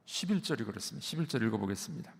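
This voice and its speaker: A man's voice: mid-range voice, lively intonation, very fast, creaky, big-room sound. A man giving a sermon as pastor, explaining patiently and repeating key words. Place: church sanctuary.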